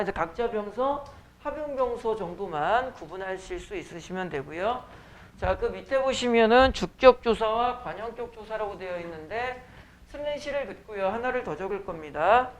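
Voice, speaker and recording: A man teaching a high school Korean class, lecturing casually with joking asides to his students. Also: lively intonation, normal speed. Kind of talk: classroom lecture with teasing banter. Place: academy classroom.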